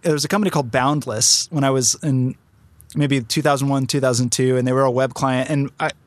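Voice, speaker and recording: A man's voice: medium pitch, fairly even intonation, fairly quick, no echo. A man co-hosting a podcast in casual chat, rambling with many restarts. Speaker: podcast co-host.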